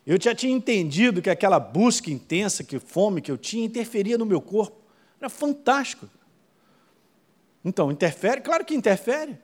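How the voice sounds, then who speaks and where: Man, pastor, sermon, high voice, chatty asides. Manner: animated, conversational preaching with quick asides.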